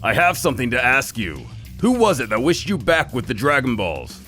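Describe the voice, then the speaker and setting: A man voicing a gruff male anime fighter in a taunting, combative manner in a fan dub. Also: mid-range voice, huge pitch swings, moderate pace. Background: loud action music.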